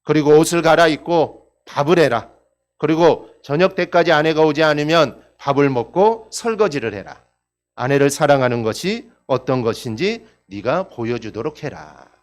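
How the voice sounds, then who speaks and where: A male pastor voicing the Lord in a sermon story, calm, firm and fatherly. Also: fairly high pitch, normal speed, natural voice. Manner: calm, commanding, fatherly address.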